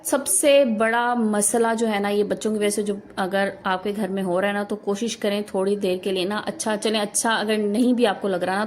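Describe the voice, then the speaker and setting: A Pakistani woman in her thirties talks straight to her viewers in a home vlog, with a Pakistani Urdu accent. Her voice sits at an ordinary middle pitch for a woman. She gives earnest, instructive advice and keeps checking in with the listener as she goes. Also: slight background noise. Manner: earnest, instructive, addresses viewers directly with frequent rhetorical "na". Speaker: housewife vlogger. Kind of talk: advice talk to camera.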